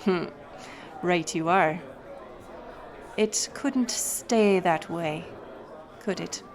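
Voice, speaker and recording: A woman's voice: fairly low pitch, drawn-out words, some chatter behind. A woman playing a wry, roguish pirate smuggler captain, telling her tale theatrically in an audio roleplay. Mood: teasing, wry. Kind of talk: in-character audio roleplay storytelling.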